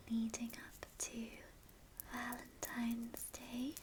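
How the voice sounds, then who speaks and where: A woman is whispering against noticeable background noise. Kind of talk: ASMR crystal reiki guided meditation. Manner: soft-spoken, gentle.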